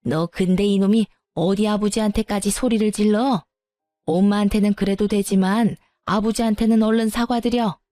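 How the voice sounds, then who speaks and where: A woman voicing a stern, old-fashioned older father-in-law who scolds gruffly in a slow, lowered voice in a storytelling video. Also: fairly even intonation, dark tone, faint music behind, close to an everyday voice. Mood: scolding.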